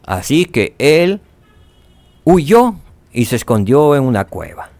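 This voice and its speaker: A man teaching a scripture lesson, asking rhetorical questions and dropping to soft tones for emphasis. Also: medium pitch, sing-song, slow pace, no echo.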